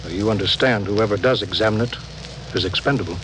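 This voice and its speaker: A man's voice: on the low side, fast, fairly bright tone, a little hiss or hum, close to an everyday voice, poor audio. An actor playing a stern, cautious male starship captain in a 1950s radio drama, giving clipped commanding orders.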